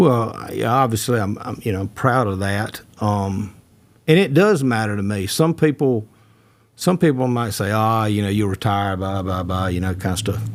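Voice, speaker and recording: Speaking at a moderate pace in a South Carolina accent, a man uses a fairly low pitch with ordinary pitch variation. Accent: US Southern (South Carolina). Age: 60s. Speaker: business executive. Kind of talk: interview. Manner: animated.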